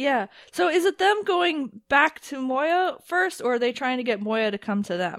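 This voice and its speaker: A woman speaks at a fairly slow pace in a high pitch, with very wide pitch swings. The recording is very clean, its background silent. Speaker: podcast co-host. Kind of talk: casual podcast discussion of a TV episode.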